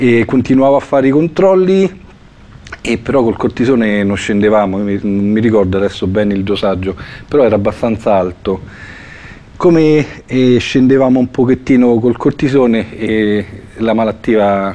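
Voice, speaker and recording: Long, frequent pauses in a man's medium-pitched speech, moderate in pace, with ordinary pitch variation. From Lazio, Italy (Fiuggi). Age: 40s. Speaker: physiotherapist sharing patient testimony. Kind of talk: testimony.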